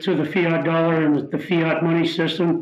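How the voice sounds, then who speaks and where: A high-pitched man at a fairly slow pace. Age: 70s. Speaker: retired military officer on panel. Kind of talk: panel discussion. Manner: halting.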